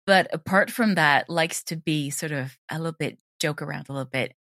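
A woman's voice: low voice, brisk, a bit bright, no echo, clean studio sound. A woman talking casually and reflectively as the guest in an interview about her creative work. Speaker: interviewed audio drama creator.

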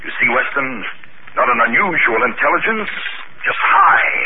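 A man's voice: mid-range voice, sing-song, normal speed. An actor playing a cold, ambitious scientist who persuades his assistant in a 1950s radio drama. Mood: proud. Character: scheming, ambitious male mad scientist. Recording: tinny, noisy old radio recording.

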